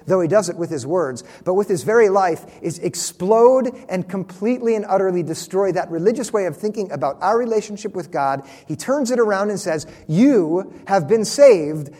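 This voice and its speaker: A man preaching a sermon, earnest and emphatic, slowing down to stress key phrases. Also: high-pitched, a little mellow. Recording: long reverb of a large hall.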